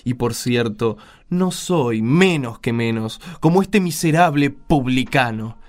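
A man's voice: mid-range voice, fairly bright tone. A man playing a proud, self-righteous Pharisee at prayer in a radio drama, pompous, scornful and declamatory. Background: music.

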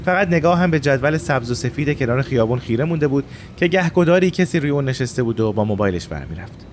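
A man's voice: medium pitch, animated, a little hiss or hum. A man narrating a reflective first-person story in a scripted style. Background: faint music.

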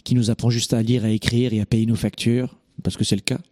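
French-accented male host, mid-pitched, emphatic motivational coach, rhetorical questions, hesitant fillers. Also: little pitch movement, a little fast, a little mellow, no room sound, clean studio sound. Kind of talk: motivational talk.

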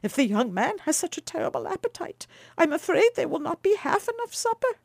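A woman's voice: very high voice, sing-song, brisk, vocal fry, no echo, pitched above the performer's own voice, heavily acted. Baucis, a woman doing a fretful old peasant wife. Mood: worried. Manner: apologetic, fretful. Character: poor, humble, kindly old peasant woman.

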